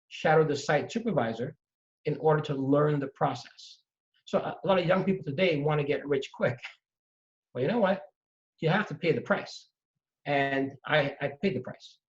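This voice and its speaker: A middle-aged man from Trinidad and Tobago tells his story with lively emphasis. His voice sits a little high for a man. The audio is dull and lo-fi, as if the top end is gone. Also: moderate pace. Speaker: real estate investor guest. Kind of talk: storytelling in conversation.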